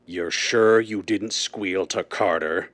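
A man as a deep, menacing crime boss. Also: takes it slowly, a bit bright, heavily acted. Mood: menacing suspicion. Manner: curt, bossy, threatening. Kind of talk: 1930s radio drama acting.

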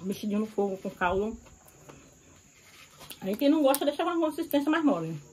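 A woman's voice: a little high, very animated, brisk, a little mellow, low-quality recording. Bahian woman, 30s, food vlogger, casual chat between bites, outdoor porch, faint noise. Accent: Bahian Brazilian Portuguese. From Bahia, Brazil. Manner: chatty, savoring food between remarks. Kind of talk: casual eating vlog. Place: outdoor porch of a rural house.

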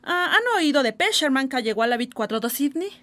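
A woman's voice: sits high, expressive, fairly quick, bright, forceful tone. A woman voicing a scatterbrained chatty fish. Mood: helpful. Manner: bubbly, rambling, easily distracted. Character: forgetful cheerful female fish, chatty and scatterbrained. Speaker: dubbing student. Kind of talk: classroom dubbing of an animated film.

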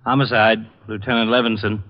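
An actor playing a worried homicide lieutenant in a 1940s radio drama, speaking in a terse, businesslike way. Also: male voice, on the low side, little pitch movement, fairly quick, a little hiss or hum, close to an everyday voice. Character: gruff, worried male homicide police lieutenant. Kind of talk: 1940s radio detective acting. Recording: muffled old radio transcription.

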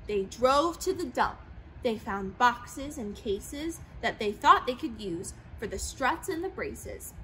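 A young woman reads a rhyming children's book aloud in a lively, sing-song way. Her voice sits high and bright, and the big hangar room is faintly audible around her. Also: a little hiss or hum, rough recording. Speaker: storyteller. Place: large aircraft museum hangar, seated in a plane cockpit.

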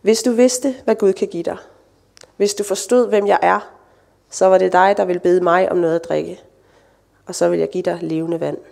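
A woman reads Jesus, a weary man resting by a well. The voice is calm and measured, a little lower and quieter than her usual talk, with a mellow, warm tone. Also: vocal fry.

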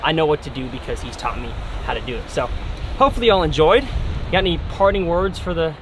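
A man's voice: a little high, expressive, fast, background noise. A young man hosting a fishing channel, talking upbeat and directly to viewers from a boat on a lake. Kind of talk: casual interview and vlog talk.

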